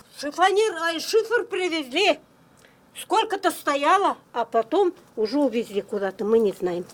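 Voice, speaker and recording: A woman at an extremely high pitch with very wide pitch swings, a fairly slow pace and noticeable background noise. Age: 80s+. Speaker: volunteer yard cleaner. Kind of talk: interview answer.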